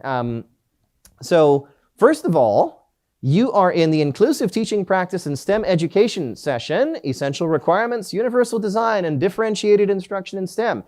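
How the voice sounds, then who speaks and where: A man's voice: high voice, expressive, moderate pace, a little mellow. A middle-aged man from Canada giving a live conference talk, joking at his own expense and often restarting with fillers. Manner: self-deprecating joking, many fillers and restarts. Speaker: conference presenter.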